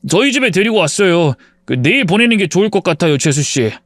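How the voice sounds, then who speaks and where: A man's voice: high-pitched, big pitch swings, fast, a bit bright, no echo. A man voicing a polite friend of the husband on the phone. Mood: apologetic.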